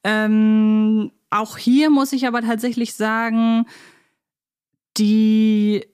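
A woman's voice: fairly high pitch, little pitch movement, extremely slow, a little mellow, clean tone. A woman co-hosting a casual podcast chat, thoughtful and groping for words through long, winding sentences. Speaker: podcast co-host. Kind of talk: casual chat reviewing children's audio dramas.

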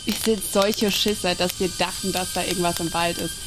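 A woman's voice: medium pitch, fairly even intonation, moderate pace, music in the background. A woman performing colloquial, scripted dialogue in an audio play. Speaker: podcast host acting in a short audio play. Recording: noisy binaural campfire scene.

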